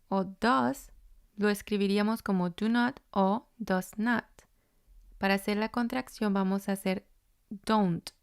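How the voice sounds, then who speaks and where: A woman teaching English grammar, patient and deliberate, going over each example step by step. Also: mid-range voice, creaky, clean tone, dry recording, clean studio sound. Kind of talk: instructional explanation.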